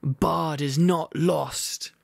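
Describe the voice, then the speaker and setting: A man voicing a proud, grim male bowman hero who declares himself slowly and firmly. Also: fairly high pitch, steady tone, creaky, dry recording, studio quality, heavily acted. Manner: slow, firm declaring.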